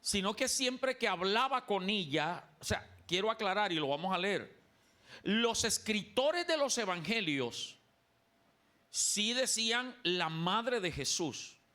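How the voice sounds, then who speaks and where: In a church sanctuary, a Colombian man preaches as pastor with a high, sharp, very animated voice, delivered slowly. Emphatic throughout, he asks the congregation to repeat his words back to him.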